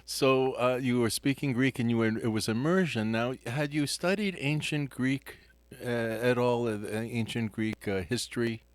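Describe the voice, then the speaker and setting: A man's voice: medium pitch, steady tone, moderate pace, no room sound. A man hosting a live radio interview in a studio, chatty, with many fillers and restarts. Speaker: radio host.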